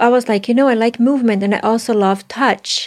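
A woman speaks with a Portuguese accent at a moderate pace. Her intonation stays fairly even. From Brazil. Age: 40s. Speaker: physical therapist and dancer. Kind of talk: interview conversation.

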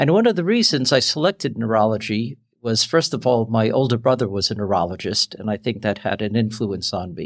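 A man with a New York accent talks at a fairly quick pace with hardly any pauses, medium pitch and ordinary pitch variation. The recording is very clean, with a silent background. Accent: New York American English. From US Northeast, Brooklyn, New York. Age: 60s. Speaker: neurology professor. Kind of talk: interview.

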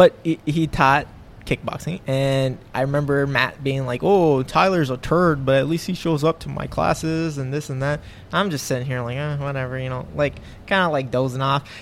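This man has an American accent and a fairly high pitch. He talks at a moderate pace with fairly even intonation over noticeable background noise. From Minnesota, US. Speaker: MMA fighter. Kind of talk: casual chat.

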